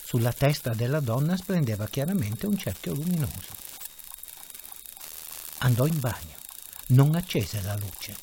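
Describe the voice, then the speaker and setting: A man narrating a short story in a measured, ironic storytelling manner. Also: medium pitch, big pitch swings, dark tone, slight background noise. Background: faint music.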